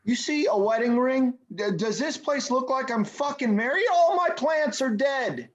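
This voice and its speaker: A man's voice: extremely high pitch, expressive, moderate pace. A man playing a laid-back but indignant stoner slacker, hesitant and slangy, in a table read. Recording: dull, muffled online-call audio.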